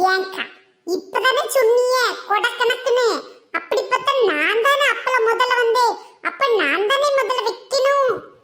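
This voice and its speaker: Doing a cartoonish character voice, a woman talks at a moderate pace with an extremely high pitch and ordinary pitch variation. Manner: sassy, argumentative.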